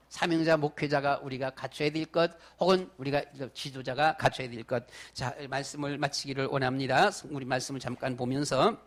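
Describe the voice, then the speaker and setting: A middle-aged male pastor delivers a sermon in an emphatic, conversational way, stacking up lists and repeating his points. His voice sits high for a man. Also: a bit bright. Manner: emphatic, repetitive, conversational preaching.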